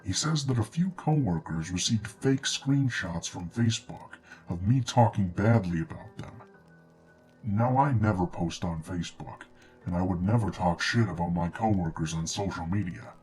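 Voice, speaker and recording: A man reading a scripted first-person horror story in a measured, understated way, as a narrator. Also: deep voice, animated, darkish tone, rough recording. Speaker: narrator of true scary stories. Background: background music.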